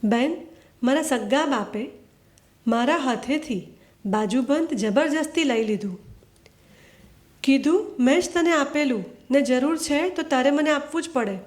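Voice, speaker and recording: A woman's voice: sits high, lively intonation, measured pace, long pauses. A woman reading aloud voices a poor young married working woman who speaks in a pleading, plain-spoken way. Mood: distraught.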